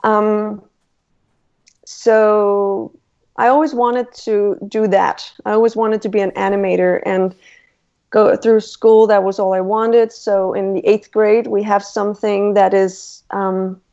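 A woman from Denmark with a Danish accent, a Danish native speaker, answering relaxed interview questions and pausing to search for words. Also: medium pitch. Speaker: illustrator guest. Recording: dull lo-fi call audio.

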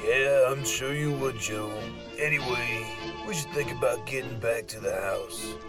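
A man's voice: mid-range voice, takes it slowly, music in the background, close to an everyday voice. A man playing an exasperated, cautious friend in an audio drama, wearily scolding with casual swearing. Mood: weary, pleading. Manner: weary, nagging, casual swearing. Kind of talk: audio fiction acting.

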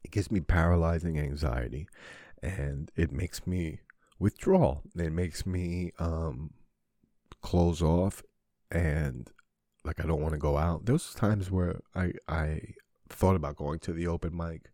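A man hosting a podcast, crying as he opens up in a halting monologue, swearing often and restarting his sentences. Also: sits low, steady tone, dark tone, no echo, clean studio sound. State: crying, sniffling. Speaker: podcast host. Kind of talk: emotional confessional monologue.

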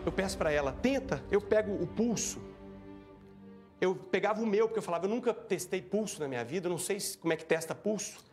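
A man recounting a tense event in an interview, animated and acting out what people said. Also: sits high, quick pace, soft background music. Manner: animated, acts out shouting and quoted speech. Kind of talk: emotional first-person account.

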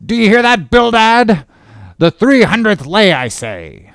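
A blustering old shipowner and sea captain from a storybook. He roars explosively in archaic seafaring talk, pitched high and swinging wildly. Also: very animated, normal speed, no echo, studio quality. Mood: indignant. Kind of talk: audiobook character voice.

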